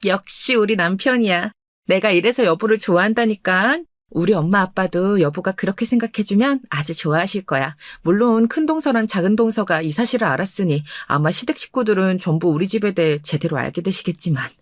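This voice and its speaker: A woman voicing a calm, confident and teasing wealthy wife in a dramatized radio story. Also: medium pitch, fairly quick, no echo, studio quality, close to an everyday voice. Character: rich, self-assured young wife.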